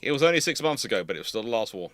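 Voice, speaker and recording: A man's voice: mid-range voice, very animated, rapid-fire, heavy background noise. A man hosting a history livestream in casual chat, explaining things in tumbling runs with wry asides. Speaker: host of a naval history livestream. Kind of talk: casual panel chat and commentary.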